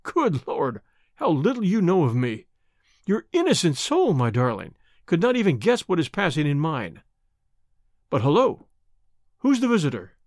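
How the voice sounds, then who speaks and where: A man's voice: on the high side, wildly swooping pitch, moderate pace, long pauses, no echo, clean studio sound. A man voicing a bold, protective young man with a firm, challenging and somewhat bitter manner in an audiobook. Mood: bitter, tender. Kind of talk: audiobook character acting.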